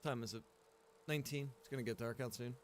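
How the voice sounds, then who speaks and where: A man's voice: medium pitch, steady tone, quick pace. A man giving casual, chatty commentary while he plays a game, thinking aloud in a laid-back way. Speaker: game streamer. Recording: clear background noise.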